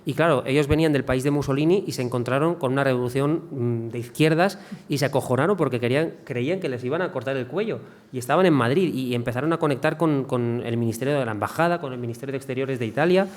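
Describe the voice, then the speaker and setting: A man talks as a guest writer at a cultural talk. His pitch sits at an ordinary middle level. He pauses, repeats small words and restarts his sentences as he thinks aloud.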